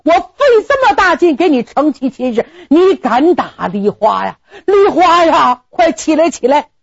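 A woman voicing a blustering old nobleman who scolds with booming exclamations. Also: huge pitch swings, moderate pace, husky, no echo, lo-fi sound, full character voice. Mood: scolding.

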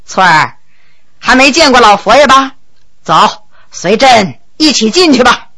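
A woman voicing a genial, shrewd male emperor in a storybook, speaking in a lowered voice. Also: very animated, measured pace, sharp tone, heavily acted.

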